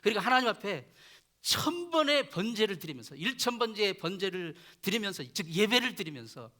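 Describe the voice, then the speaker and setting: Male pastor, high bright voice, earnest sermon delivery, phrases trailing off soft. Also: sing-song, fairly quick. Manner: earnest preaching, voice dropping soft at phrase ends. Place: church chapel.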